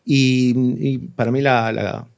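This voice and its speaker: A man's voice: medium pitch, little pitch movement, slow, vocal fry, highs cut off. A man talking casually as a panelist in an informal group discussion.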